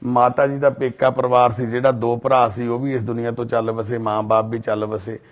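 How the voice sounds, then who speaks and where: A man's voice: mid-range voice, level tone, brisk. Brief: Punjabi man, charity volunteer host, earnest documentary narration, mid-range voice. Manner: earnest, soothing, speaks of divine duty. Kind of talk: documentary narration and consoling talk. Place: outdoors in a residential colony.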